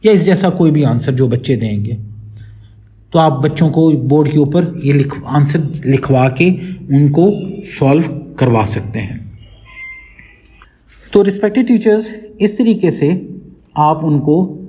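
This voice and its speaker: A man from Pakistan with a Pakistani accent, lecturing teachers on how to teach a lesson. He reads English lines out slowly and deliberately. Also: on the high side, expressive, warm tone, poor audio. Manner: slow, deliberate when reading English lines aloud. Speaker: teacher trainer.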